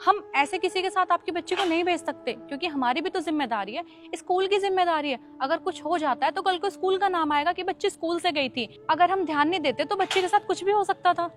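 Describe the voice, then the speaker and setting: A woman's voice: very high-pitched, quick pace, hardly any pauses, a bit bright. A woman playing a firm school principal who lectures a father about his child's safety. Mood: lecturing. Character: stern caring female school principal.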